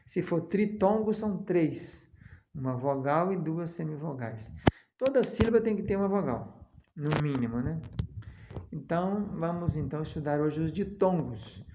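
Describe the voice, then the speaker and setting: A Brazilian man teaching a seminary lesson on Greek. He explains slowly, often adds "né?", and chants the letter names. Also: a little high, lively intonation, reverberant, noisy background. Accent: Brazilian Portuguese.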